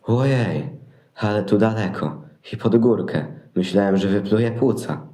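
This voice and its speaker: Man acting a deep-voiced grumbling shepherd. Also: measured pace, mellow, close to an everyday voice. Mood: winded grumbling. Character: grumbling, out-of-shape but thoughtful shepherd man. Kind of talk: amateur Christmas nativity audio play acting. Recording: roomy, echoing sound.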